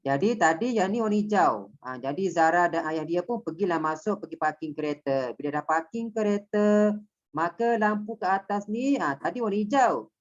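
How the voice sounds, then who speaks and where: A woman's voice: on the low side, animated, normal speed, dull audio. A woman teacher with a Malaysian Malay accent, explaining a lesson step by step and checking that her pupils understand. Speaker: primary school Malay teacher. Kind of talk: online class lesson.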